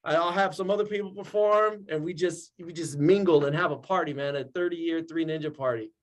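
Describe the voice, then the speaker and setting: Excitable man in his forties, high voice. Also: brisk. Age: 40s. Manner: excitable and animated, laughs often. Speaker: actor guest. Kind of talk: casual interview chat.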